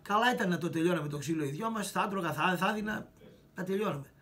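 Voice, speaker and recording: Foul-mouthed older man ranting a story. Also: high voice. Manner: coarse, swearing, acts out quarrels in sharp bursts. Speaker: show host telling a personal story. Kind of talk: angry storytelling monologue.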